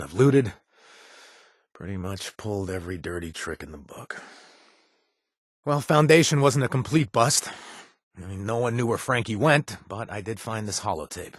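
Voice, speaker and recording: A wry former raider from a video game, husky and a little low, with a lively delivery. He hedges and stumbles with fillers, then cracks puns. The studio sound is close and dry. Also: dry recording, full character voice. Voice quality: husky, punning, easygoing. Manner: wry and hesitant, lots of uh fillers. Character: wry former raider man, trying to stay clean. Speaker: companion character.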